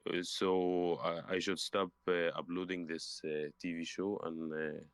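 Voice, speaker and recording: Deep-voiced man with an Arabic accent. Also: flat delivery, clean tone, dry recording. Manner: hesitant, halting, many fillers and restarts. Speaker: caller. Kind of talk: casual call, asking for advice.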